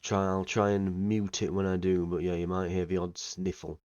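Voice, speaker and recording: A man's voice: low voice, completely flat delivery, normal speed, darkish tone, no room sound, highs cut off. A man with a slightly nasal voice from a cold, giving casual, rambling commentary while playing a video game. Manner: chatty, rambling, with fillers. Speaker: let's play host.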